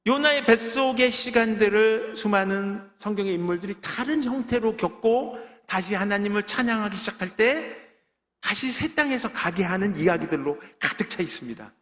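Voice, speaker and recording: A middle-aged man delivers a testimony sermon with a fairly high voice, driving each point home and sealing it with an amen. The church sanctuary around him rings with a long reverb. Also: lively intonation, moderate pace, a bit bright. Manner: emphatic preaching with frequent amens and call-and-response. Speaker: pastor giving testimony.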